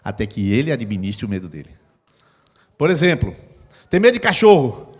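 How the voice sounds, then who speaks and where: A man's voice: mid-range voice, big pitch swings, moderate pace. A middle-aged man preaching a sermon as pastor, acting out scenes with sound effects. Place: church hall. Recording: long hall reverb.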